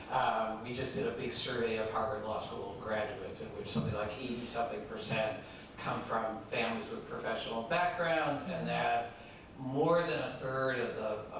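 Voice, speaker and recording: A middle-aged or older man posing a long, discursive academic question from the audience in a deliberate way. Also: medium pitch. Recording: very echoey room, distant mic, noisy.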